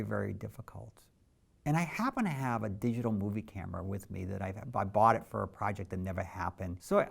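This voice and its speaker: Gravelly middle-aged man telling his story. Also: mid-range voice, a little mellow. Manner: candid, storytelling, reflective. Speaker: photographer. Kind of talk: documentary interview narration.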